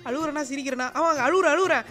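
A woman narrating a comic game role-play in an animated, exclaiming way. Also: high voice, quick pace, faint music behind. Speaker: gaming channel narrator.

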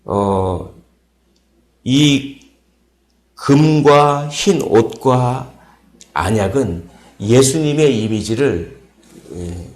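A man preaching an early morning sermon as pastor, explaining step by step, repeating key words and pausing with fillers. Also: mid-range voice, expressive, darkish tone, echoey room. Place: church sanctuary.

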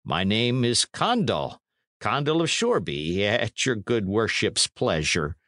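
A man's voice: lowish voice, very animated, measured pace, fairly bright tone, no room sound, clean studio sound. A man voicing a poor, cringing old peasant in a storybook, servile and pleading as he protests. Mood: timid, servile.

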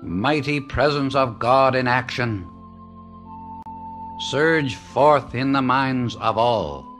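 A man reading a devotional book aloud as an audiobook narrator, in a measured, reverent way with long pauses. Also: medium pitch, lively intonation, a bit bright, soft background music. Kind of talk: slow, solemn reading of devotional text.

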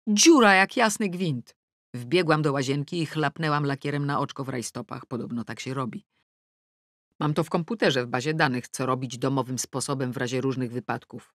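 A woman's voice: a bass voice, fairly bright tone, no room sound, studio quality. A middle-aged woman reading a first-person comic novel aloud, wry and self-mocking, dropping to sulky mutters and rising into exclamations. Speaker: audiobook narrator. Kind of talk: first-person audiobook narration.

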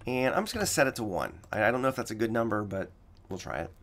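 A man with a slightly raspy voice teaching coding in a screen-recorded tutorial, explaining each step and repeating the key points. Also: fairly low pitch, big pitch swings, fast talker, fairly bright tone, a little hiss or hum.

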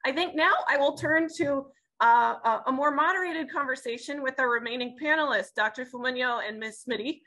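A woman in her thirties with a bright, fairly high voice moderates an online panel, speaking articulately while filling pauses with "um" and repeated words. She is recorded on a webcam over a video call. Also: low-quality recording. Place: indoors, in front of a branded backdrop.

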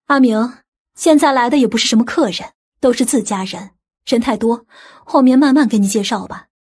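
An authoritative, practical aunt from an audiobook drama acted by a woman gives brisk instructions. The voice has a slightly husky edge. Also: a little high, darkish tone.

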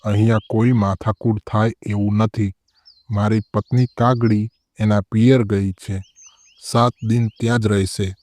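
A man voicing a sly, boastful husband crow in an animated moral story. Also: on the low side, unhurried, no room sound, natural voice. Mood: eager.

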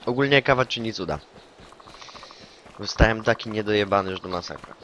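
A man streaming a shooter game, chatting casually with a teammate, swearing and yelling taunts when he scores kills. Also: lowish voice, a little fast, a little hiss or hum. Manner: excitable, swears, yells taunts in English on kills. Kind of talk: casual gaming chat with a teammate.

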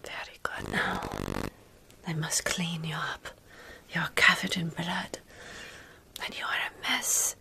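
Slow, breathy whispering woman as caring vampire. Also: low voice, huge pitch swings. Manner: soothing, hushing, slow and deliberate. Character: caring centuries-old female vampire sheltering a fledgling. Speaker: ASMR roleplay performer. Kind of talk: whispered ASMR roleplay.

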